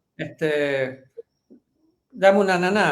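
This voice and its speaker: A man is speaking here. His voice sits high, and its pitch varies in an ordinary way. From Argentina. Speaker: missionary. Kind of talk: casual interview.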